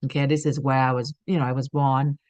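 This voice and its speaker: A woman's voice: extremely low pitch, level tone, fast, darkish tone, no room sound, muffled recording. A woman from Thailand giving an earnest spiritual teaching talk, often checking in with "okay?".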